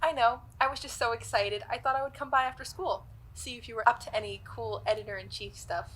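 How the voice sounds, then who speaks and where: A woman's voice: a little high, a little fast, a bit bright, slightly rough, poor audio. A woman playing an eager, blunt twelve-year-old girl in an audio drama, forthright and a little cheeky.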